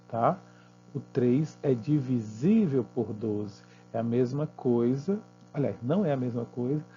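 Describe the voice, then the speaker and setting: A Brazilian man teaching math, walking students through exercises patiently and checking in with quick tag questions. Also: medium pitch, mellow, dull audio. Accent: Brazilian Portuguese.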